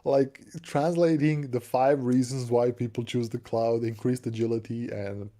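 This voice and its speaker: A native Serbian speaker with a Serbian accent co-hosts a casual tech stream, chatting loosely and laughing often. His mid-range voice is dark, with fairly even intonation at a moderate pace, and he repeats words while searching for the right one.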